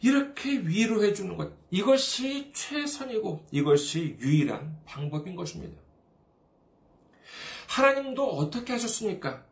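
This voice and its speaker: High-voiced pastor in an echoey room. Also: male voice, big pitch swings, normal speed, gravelly. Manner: conversational, humorous, asks the listeners questions. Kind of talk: sermon.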